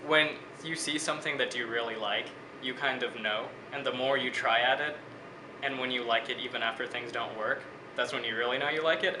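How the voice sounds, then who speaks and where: A man in his twenties from Bangladesh, a biology student giving thoughtful, articulate interview answers. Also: medium pitch. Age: 20s. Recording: echoey room with steady air-conditioning hum.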